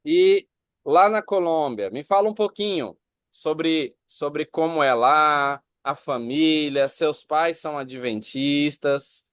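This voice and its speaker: A man, a pastor, who hosts a church interview, asking quick, upbeat questions and leading a prayer. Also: fairly high pitch, fairly bright tone, smooth, no room sound, clean studio sound. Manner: upbeat, rapid questions with affirmations.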